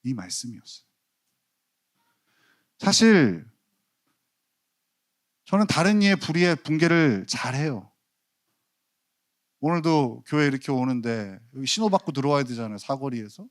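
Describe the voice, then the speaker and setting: Lively, animated Korean male pastor. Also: mid-range voice, a little slow, pauses often. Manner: storytelling with lively quoted voices and self-mocking humor. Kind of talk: sermon. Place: church sanctuary.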